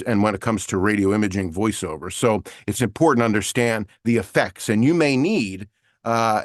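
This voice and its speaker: This male voiceover coach runs an online lesson over screen share, talking in a relaxed way packed with fillers. His voice sits on the low side, captured in clean studio sound without echo.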